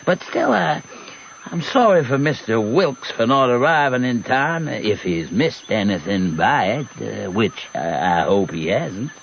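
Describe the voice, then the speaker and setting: Pompous old american con man, slow and hammy, fake pious, old radio show, muffled with bit of hiss. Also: mid-range voice, very animated, creaky. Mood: falsely humble. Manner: hemming, slow, theatrically sanctimonious. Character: pompous, sly old rascal posing as royalty. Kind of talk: old-time radio drama acting. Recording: dull, faintly noisy old radio recording.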